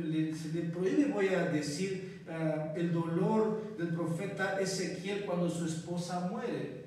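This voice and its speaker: A male pastor preaching an earnest sermon, often calling his listeners brothers and pausing on thinking fillers. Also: sits high, darkish tone. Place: church. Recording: very echoey church hall, voice from far off.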